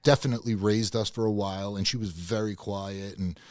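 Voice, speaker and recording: Man, middle-aged, loud, passionate, profane, dry close mic, podcast guest. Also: fairly low pitch, fairly even intonation, fairly quick, no room sound. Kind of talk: casual podcast chat.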